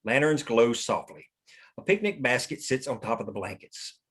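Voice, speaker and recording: A man's voice: medium pitch, very animated, moderate pace, fairly bright tone, breathy edge. Man reading screenplay stage directions. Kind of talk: scripted screenplay table read narration.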